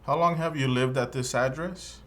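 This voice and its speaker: A man's voice: medium pitch, normal speed, fairly bright tone, close to an everyday voice. A man voicing an immigration officer who asks formal, neutral questions in a scripted practice dialogue. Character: male immigration officer conducting an interview.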